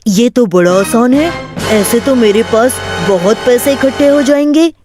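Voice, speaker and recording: A man's voice: very high-pitched, measured pace, music in the background. A woman storyteller playing a naive, stubborn disabled village boy who talks in earnest, plain musings. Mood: pondering.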